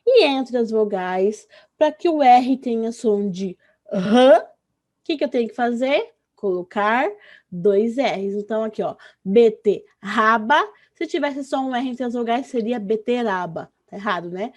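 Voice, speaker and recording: Warm-voiced Brazilian woman teaching children. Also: on the high side, lively intonation. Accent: Brazilian Portuguese. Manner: slow, drawn-out words when spelling; affectionate, keeps asking tá? and né?. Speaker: primary school teacher. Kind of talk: online lesson to young children.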